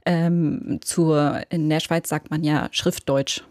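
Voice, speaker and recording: A woman's voice: low voice, fairly even intonation, slow pace, a little mellow, dry recording, studio quality. A woman in her late thirties from Switzerland, a novelist answering interview questions thoughtfully, often affirming with small murmurs. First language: Swiss German. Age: 30s. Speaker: novelist guest. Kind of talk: radio interview.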